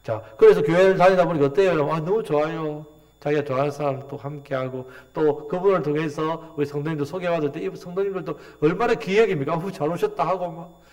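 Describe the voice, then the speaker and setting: A man's voice: on the high side, fast, a little mellow. A middle-aged man preaching a sermon as a pastor, asking the congregation rhetorical questions and acting out the words of characters with mocking emphasis.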